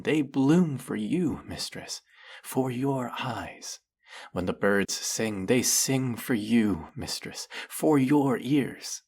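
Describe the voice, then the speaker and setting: Man voicing a deep, husky, fawning demon servant. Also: full character voice. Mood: rapturous worship. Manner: over-the-top reverent, formal, dramatic. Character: fawning, lovestruck, fanatical male demon servant. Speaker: voice actor. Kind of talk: theatrical fantasy audio roleplay monologue.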